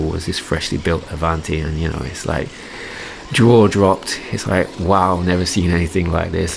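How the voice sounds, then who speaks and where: Man, 40s, English Midlands accent; low gravelly voice, rambling casual vlog voice-over, noisy track. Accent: English Midlands, softened by years abroad. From England, Derby. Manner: rambling, many ums and restarts. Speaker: RC hobby YouTuber.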